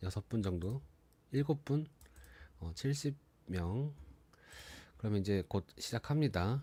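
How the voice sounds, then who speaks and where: The man's voice is dark, mellow and somewhat breathy, with a medium pitch and very wide pitch swings. He speaks very slowly with long, frequent pauses on a very clean recording with a silent background. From South Korea, Yeongdong (Chungcheong). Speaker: YouTube channel host. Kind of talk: live stream chat, giveaway draw. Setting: live stream.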